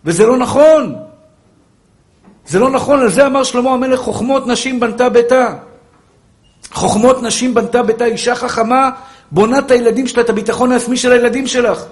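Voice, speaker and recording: Fervent high-voiced preaching man. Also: echoey room. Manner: fervent preaching with sudden soft, coaxing asides; calls listeners "my brother" and "pure soul". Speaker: rabbi. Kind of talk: sermon.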